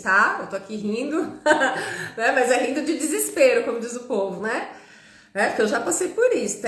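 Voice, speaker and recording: A woman psychologist in her thirties talks to her live audience in a loose, chatty way, tagging her sentences with little questions. Her voice sits a bit high, and the room adds a clear echo around it. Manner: chatty, warm asides, frequent "né?" tags, laughs with viewers. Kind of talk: live-stream talk to viewers. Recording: echoey room.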